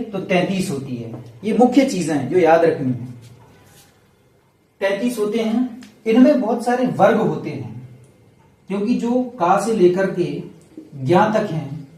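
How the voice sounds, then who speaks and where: A man with a high, soft, mellow voice teaches a grammar lesson. He goes over every key point twice and slowly. He sounds distant from the mic, and the bare room echoes around him. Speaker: Hindi teacher.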